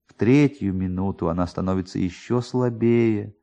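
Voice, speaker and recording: A man's voice: sits low, moderate pace, warm tone. A man narrating a classic story in a theatrical, dramatised radio reading style.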